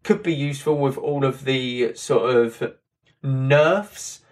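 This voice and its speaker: A man with a slightly hoarse, drying voice, chatting casually through game patch notes in a rambling way with many fillers. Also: mid-range voice, slow pace, darkish tone. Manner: rambling, repeats "that kind of thing", fillers. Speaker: game content creator.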